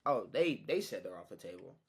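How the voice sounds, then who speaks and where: A man co-hosting a sports podcast, often stumbling and repeating himself before getting animated. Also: fairly low pitch, a little fast, vocal fry, husky. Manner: hesitant, restarts and repeats, gets excited. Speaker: podcast co-host. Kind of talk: casual sports chat.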